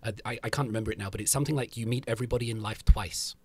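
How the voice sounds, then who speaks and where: A man's voice: mid-range voice, fairly even intonation, racing, darkish tone, breathy edge, no room sound. A man hosting a casual interview, asking curious, rambling questions. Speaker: host.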